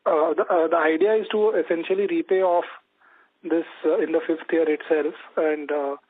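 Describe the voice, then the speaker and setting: A man, an analyst calling in and asking questions in a tentative, halting way. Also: fairly high pitch, fairly even intonation, no echo. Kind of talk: unscripted questioning. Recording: dry, narrow telephone line.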